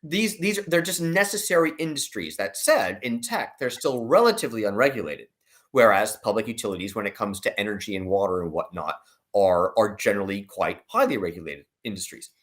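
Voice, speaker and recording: A man's voice: fairly low pitch, lively intonation, fairly quick, a bit bright. A man giving conversational financial commentary as an interview guest, explaining emphatically and often rephrasing himself as he goes. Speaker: investment analyst guest.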